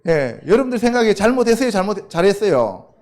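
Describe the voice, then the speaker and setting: A man's voice: high voice, very animated, quick pace, darkish tone. A male pastor preaching a sermon to a youth congregation in a loose, conversational way, often asking the listeners questions and answering them himself.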